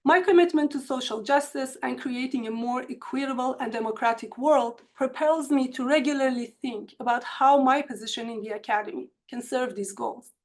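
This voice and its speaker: A woman with an Iranian accent, a university instructor giving a measured, earnest prepared talk in an online seminar. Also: sits high. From Iran. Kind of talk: academic webinar presentation. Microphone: computer mic on a video call.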